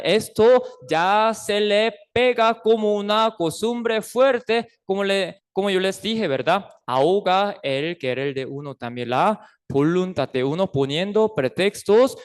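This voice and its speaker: A man's voice: high voice, clear, resonant tone. A Costa Rican man preaching a sermon, constantly asking the congregation rhetorical questions and acting out the people in his stories. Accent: Costa Rican Spanish. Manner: acts out quoted figures in a raised voice. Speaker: pastor. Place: church.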